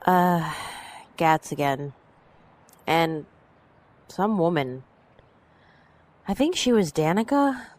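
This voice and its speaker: Slow, weary actress as a shaken woman. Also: fairly low pitch, animated, a little mellow. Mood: weary, dazed. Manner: halting, hesitant. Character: weary, shaken woman recovering from a fainting spell. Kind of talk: audio drama acting, slow dialogue.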